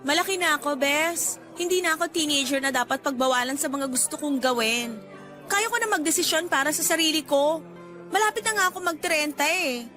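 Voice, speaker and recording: A woman's voice: high-pitched, a little fast, bright, forceful tone. An actress playing a defiant, flippant woman nearly thirty in a radio drama, with a Filipino accent and breezy, defensive retorts. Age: 20s. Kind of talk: Tagalog radio drama acting. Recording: music faintly underneath.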